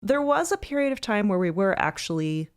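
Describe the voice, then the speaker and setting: A woman speaking in a thoughtful, measured way in a casual roundtable discussion. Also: mid-range voice, very animated, clean tone. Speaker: podcast creator, panel guest.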